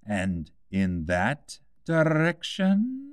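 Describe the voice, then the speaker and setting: A man voicing a mad, grinning cat in a storybook, with slow, drawn-out, teasing words. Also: fairly high pitch, huge pitch swings, no room sound, clean studio sound, voice pushed up, heavily acted. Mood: languid. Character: languid, mad, grinning male Cheshire Cat.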